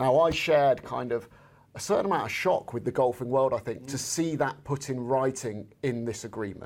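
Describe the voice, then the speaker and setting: A man with a British accent speaks at a medium pitch with ordinary pitch variation. His pace is fairly quick. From UK. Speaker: golf journalist and broadcaster. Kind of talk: casual chat. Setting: on location at a golf club.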